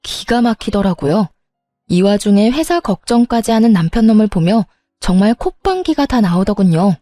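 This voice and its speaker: Woman, first-person story narration, firm, cold, matter-of-fact, mellow, dry. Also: medium pitch, animated, normal speed, dry recording, faint music behind.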